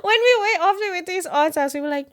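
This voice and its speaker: A young South African woman co-hosting a podcast in casual chat, animated, laughing often and sometimes dropping to a whisper. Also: very high-pitched, rapid-fire. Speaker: podcast co-host.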